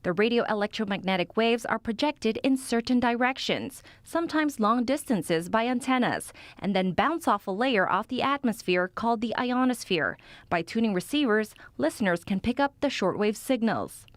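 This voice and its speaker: A woman news reporter with a fairly high voice narrates a scripted report. Her delivery is that of a prepared news package. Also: lively intonation, normal speed, no echo.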